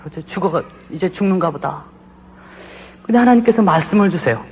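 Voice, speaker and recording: Guy with a high voice preaching his testimony in a church, really passionate, sounds kinda muffled and echoey. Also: animated, fairly quick. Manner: impassioned, swings between quiet and loud pleading. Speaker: church elder giving testimony. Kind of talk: sermon-style testimony. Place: church sanctuary. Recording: muffled hall recording with faint hiss.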